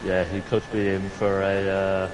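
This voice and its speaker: A man's voice: sits low, monotone, a little slow. A man giving casual, slightly hesitant live co-commentary on an esports race. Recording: very loud background noise.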